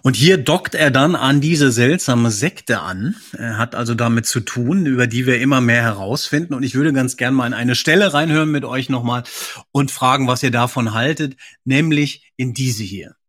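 A man's voice: mid-range voice, normal speed, fairly bright tone. A man hosting a casual podcast discussion, inquisitive and prompting the others. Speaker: podcast host.

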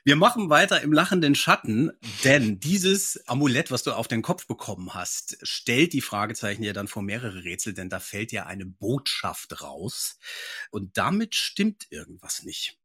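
A man co-hosting a podcast, moderating and chatting casually in a slightly husky voice. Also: medium pitch, sing-song, moderate pace, sharp tone, dry recording, clean studio sound. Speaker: podcast co-host.

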